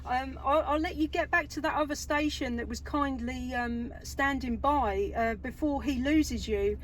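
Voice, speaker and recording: A woman's voice: high voice, normal speed. A woman, chatting enthusiastically as a CB radio operator inside a car. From England. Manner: enthusiastic, gushing. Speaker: amateur CB radio operator and video maker. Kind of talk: casual CB radio contact chat. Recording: very noisy radio static and clicks.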